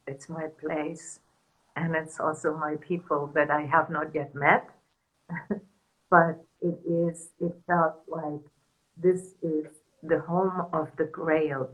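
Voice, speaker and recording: A woman from Germany speaks in a low, unhurried voice. She shares as a spiritual teacher in a soft, earnest way, with light laughs between thoughts. Her English is careful and reflective. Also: poor audio. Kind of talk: reflective talk in a panel conversation.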